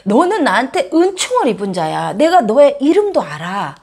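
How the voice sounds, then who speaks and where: A woman plays a gentle god who gives in at once, speaking in a hushed, breathy half-whisper. The voice is tender and soft. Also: a little high, very animated, moderate pace, exaggerated voice.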